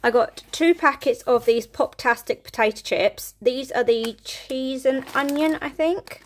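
A woman's voice: sits high, a little slow. A middle-aged woman chatting casually through a family food haul in her kitchen, rambling and counting items aloud. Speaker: family vlogger. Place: home kitchen, indoors.

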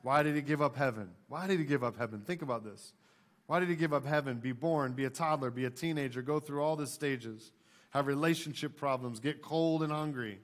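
An American pastor in his forties preaches a sermon on an indoor church stage, speaking emphatically and repeating key phrases. His voice is mid-range and his pace brisk.

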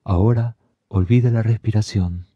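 A man leading a guided meditation, giving calm, soothing, unhurried instructions. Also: lowish voice, slightly rough, no echo, muffled recording.

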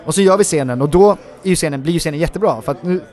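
This guest is an actor, a man whose somewhat high voice carries loose, lively anecdotes about his time on movie sets. The interview is casual, and he leans heavily on fillers like "um" and "you know."

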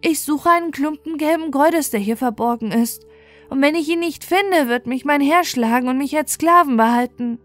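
A woman voicing a gentle, pitiful young child hero in a fairy tale, earnest and plaintive. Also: sits high, normal speed, faint music behind, pitched above the performer's own voice, close to an everyday voice. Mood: worried. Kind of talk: fairy tale storybook reading.

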